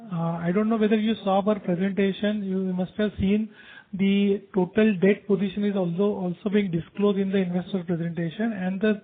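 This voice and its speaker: An Indian-accented man, a company executive, explaining figures in answer to investor questions on an earnings call. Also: sits high. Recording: narrow tinny conference phone line.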